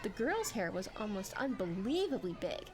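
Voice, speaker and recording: A woman reading a story aloud as a dramatic, expressive, animated narrator. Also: mid-range voice, moderate pace. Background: background music.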